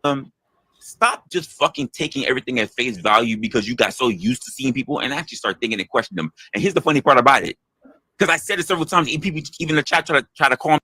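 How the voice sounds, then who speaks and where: A man in a stream clip giving a fast, defiant, profane monologue. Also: mid-range voice, expressive, bright, forceful tone, husky, dry recording, low-quality recording.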